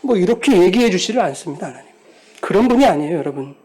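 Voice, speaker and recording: A middle-aged man preaching a sermon in a fairly high voice. He talks emphatically, often swinging up in pitch and loudness, and turns to the congregation with direct questions. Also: expressive, quick pace. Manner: emphatic preaching, voicing quoted lines with rising force. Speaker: pastor.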